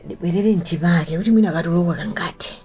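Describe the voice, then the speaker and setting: Radio drama role: confused, tired young Malawian woman, played by a woman, mellow, hesitant delivery, light music bed. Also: fairly low pitch, close to an everyday voice. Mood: dazed, weary. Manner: hesitant, halting. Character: confused, weary young woman struggling to remember the night before. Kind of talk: vernacular radio drama acting.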